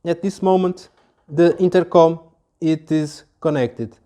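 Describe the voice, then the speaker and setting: A man. He explains things step by step as a product reviewer, casual and somewhat halting in his delivery. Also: on the high side, mellow. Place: small office, indoors.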